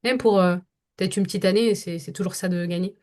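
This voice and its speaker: A young woman with a fairly low voice answers interview questions about her voice-over work. She thinks aloud, stops often and restarts her sentences. She speaks French as her first language. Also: steady tone, fast talker, a little mellow. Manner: thoughtful, many hesitations and restarts. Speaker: voice-over actress, guest. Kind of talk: podcast interview conversation.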